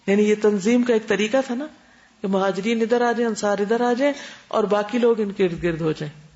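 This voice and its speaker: A woman's voice: a little high, darkish tone. Woman teaching, dull lo-fi recording. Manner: explanatory, checks understanding with quick questions. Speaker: Islamic teacher. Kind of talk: religious lecture.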